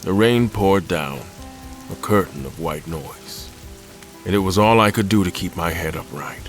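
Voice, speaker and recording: A low male voice plays a world-weary admiral in an audio drama. He recounts a haunting ordeal with formal, measured courtesy over faint music. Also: lively intonation. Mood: weary, reflective. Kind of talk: first-person audio drama narration with dialogue.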